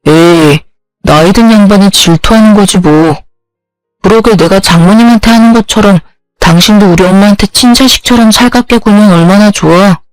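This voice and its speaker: A man's voice: sits high, normal speed, dry recording, faint music behind, lightly acted, poor audio. A man voicing a selfish young husband who brushes off his wife's complaints in an offhand tone, dry close recording. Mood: dismissive. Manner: offhand, dismissive. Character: dismissive selfish young husband, mama's boy.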